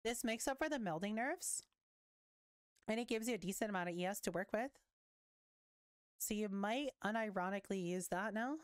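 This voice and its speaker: Casual young woman, smooth dry voice. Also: mid-range voice, normal speed, pauses often, no echo. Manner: chatty, reacts aloud, swears casually. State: losing her voice. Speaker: gaming content creator. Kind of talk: casual commentary reading patch notes.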